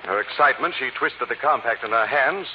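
A man's voice: medium pitch, fast, close to an everyday voice. A man playing a suave, self-assured amateur detective in an old radio drama. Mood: assured, explanatory. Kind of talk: 1940s radio drama acting. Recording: noisy dull old radio recording.

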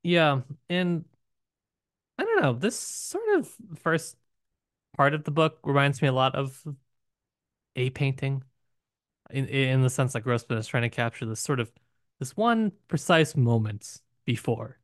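Male podcast co-host, medium pitch, casual bookish discussion, halting and questioning delivery, dry recording. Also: sing-song, no echo. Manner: musing, poses rhetorical questions, halting with filler phrases.

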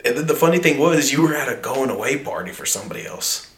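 A man's voice: mid-range voice, lively intonation, fast, a bit bright, echoey room, a little hiss or hum. A man from Texas hosting a podcast, talking in an easygoing way and swearing freely. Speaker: podcast host. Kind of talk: casual chat.

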